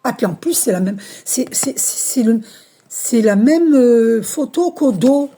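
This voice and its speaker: A woman's voice: fairly high pitch, animated, a little slow, mellow, husky. A woman hosting her own spiritual channel, talking casually to camera while she reads oracle cards, rambling and searching for words with many fillers. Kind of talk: casual spiritual monologue, card reading.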